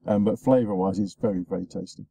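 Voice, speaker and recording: A man's voice: fairly low pitch, fast, vocal fry, warm tone, breathy edge, no room sound. A man in his forties with a sore throat, chatting in a rambling vlog from inside a parked car, close to the camera. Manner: rambling, chatty, lots of ums and uhs. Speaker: show host. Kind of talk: casual vlog chat. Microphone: camera facing him at close range.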